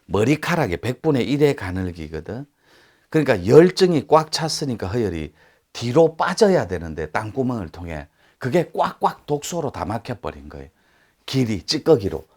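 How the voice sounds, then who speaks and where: A man giving a live lecture, talking straight to his listeners in an animated way. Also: mid-range voice, husky. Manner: animated, acts out quoted speech, addresses listeners directly.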